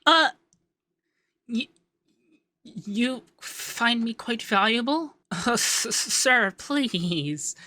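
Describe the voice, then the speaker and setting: Man acting a bright-voiced, coy, effeminate young accountant. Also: extremely high pitch, animated, very slow, long pauses, exaggerated voice. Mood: flustered, coy. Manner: coy, teasing, lilting, hesitant in places. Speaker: ASMR voice actor. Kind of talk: ASMR roleplay.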